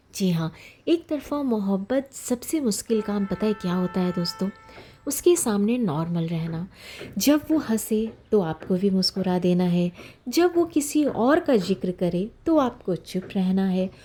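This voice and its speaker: Music plays in the background behind a woman. Her medium-pitched voice swings very widely in pitch. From Gaya, Bihar, India. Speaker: radio jockey storyteller. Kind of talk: radio-style emotional love story narration.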